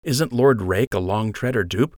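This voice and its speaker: A man's voice: on the low side, measured pace, darkish tone, dry recording, studio quality, voice pushed up. A man voicing an earnest, determined young male rabbit archer with short, sullen replies in an audiobook. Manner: earnest, terse, a little sullen. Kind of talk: audiobook character voice.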